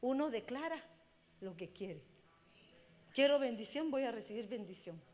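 A woman pastor, preaching a sermon with impassioned swings between loud cries and hushed speech. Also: a little high, animated, moderate pace. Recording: long hall reverb.

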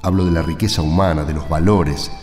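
A man's voice: a bass voice, fairly even intonation, a little fast, a little mellow. Echoey, impassioned Argentine village priest, played by a man. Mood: earnest, exhorting. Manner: emphatic, rhetorical questioning. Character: impassioned village priest rallying his parishioners. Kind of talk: radio drama acting. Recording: echoey hall reverb, music behind.

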